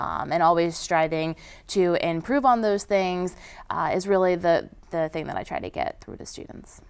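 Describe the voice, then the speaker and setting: A woman's fairly low voice in a Philadelphia accent, with ordinary pitch variation. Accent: Philadelphia American. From Philadelphia, US. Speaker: former homeless student, researcher. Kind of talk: interview. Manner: fast.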